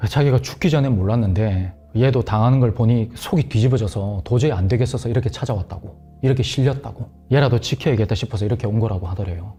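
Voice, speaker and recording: Male storyteller, low mellow voice, hushed and dramatic, faint music underneath. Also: quick pace, hardly any pauses. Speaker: guest storyteller on a horror talk show. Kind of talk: spoken ghost-story telling.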